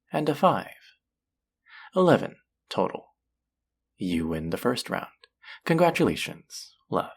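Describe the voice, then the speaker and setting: A woman voices a seductive demon dealer from an underworld casino in an audio roleplay. The voice sits low and crackles with fry, lingering unhurriedly over each tease. The delivery is flirty, possessive and taunting, sliding up and down as if toying with a captive player. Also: full character voice. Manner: slow, teasing, flirtatious, taunting. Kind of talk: flirty roleplay audio drama, intimate one-on-one.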